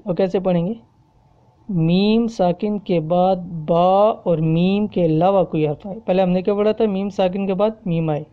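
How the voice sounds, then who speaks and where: The sound is phone quality, and the speaker is a woman whose voice runs on the low side with a steady tone. In this explanatory tajweed lesson she patiently teaches Quran recitation rules, repeats each point, and asks "okay?" to check on her students. Arabic examples are given slowly and drawn out.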